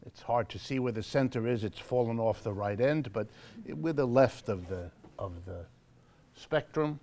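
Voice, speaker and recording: A man hosting a live event in a church hall, making announcements to the audience in a measured, wry way with frequent pauses and fillers. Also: medium pitch, dark tone, slight background noise. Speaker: host of a monthly lecture event.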